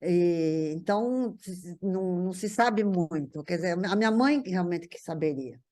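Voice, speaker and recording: Halting Brazilian woman reminiscing in conversation. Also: on the low side, expressive, a little mellow. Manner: halting, repeats words while searching for phrasing. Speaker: guest recalling a writer relative.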